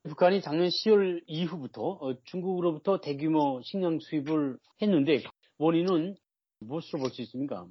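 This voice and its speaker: A man's voice: on the high side, brisk, breathy edge, lo-fi sound. A man from North Korea working as a public radio host, presenting an interview program and addressing listeners.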